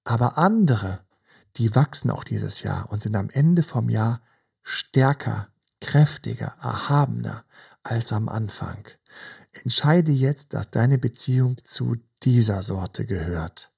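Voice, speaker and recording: A man hosting a podcast, gently advising couples in a casual chat, with many fillers. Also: mid-range voice, animated, slow, vocal fry, breathy edge. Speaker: podcast host.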